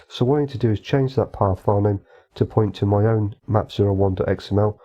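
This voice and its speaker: A man calmly walking through a software modding tutorial, explaining each step methodically. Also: on the low side, lo-fi sound. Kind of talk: screen-recorded tutorial walkthrough.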